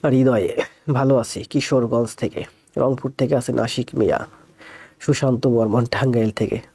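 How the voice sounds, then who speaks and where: A man with a cold, speaking slowly and softly as he greets viewers before his live math class. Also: mid-range voice, fairly even intonation, creaky, breathy edge. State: has a cold. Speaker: math teacher.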